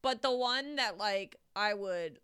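A woman in casual chat, joking and chiming in with quick remarks. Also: medium pitch, fairly bright tone, clear, resonant tone.

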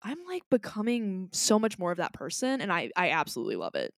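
A woman's voice: fairly low pitch, brisk, gravelly, no echo, clean studio sound. A young woman co-hosting a podcast, talking in a rambling, passionate way with lots of "like" fillers. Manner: rambling, animated, many "like" fillers; self-described loud and passionate. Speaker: podcast co-host. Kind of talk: casual chat.

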